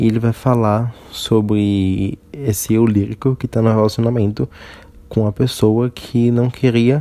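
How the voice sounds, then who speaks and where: A man's medium-pitched, dark, mellow voice in a flat monotone, dry and close with no echo. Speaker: podcast host. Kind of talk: solo podcast monologue.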